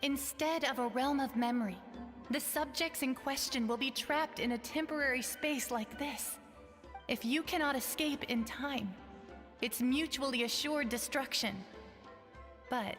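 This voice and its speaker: An actress playing a composed memory spirit in a video game, formal and measured, with long reverb on the voice. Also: female voice, high voice, fairly bright tone, faint music behind. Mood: calm, formal. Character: composed female spirit of an old friend's memory.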